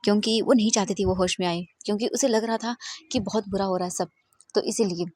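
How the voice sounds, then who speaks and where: A woman voicing a calm young male doctor who reassures the family in a soft voice. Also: mid-range voice, fast, dry recording, studio quality, natural voice. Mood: reassuring.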